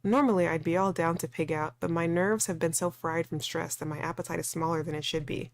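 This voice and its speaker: A wary, stubborn young visual novel protagonist, read by a woman in a slightly low voice. The narration is introspective and dry, telling the ordeal from the inside. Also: a little mellow, no room sound, natural voice.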